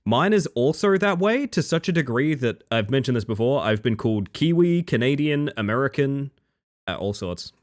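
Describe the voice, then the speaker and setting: A man's voice: medium pitch, lively intonation, moderate pace. A man with an Australian accent, chatting casually with his live-stream audience while gaming, reading chat aloud and swearing now and then.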